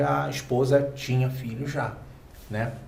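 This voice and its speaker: There is noticeable background noise and audible room echo here. A man talks at a fairly slow pace and medium pitch, with ordinary pitch variation. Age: 60s. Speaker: technical author and engineer. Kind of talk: interview.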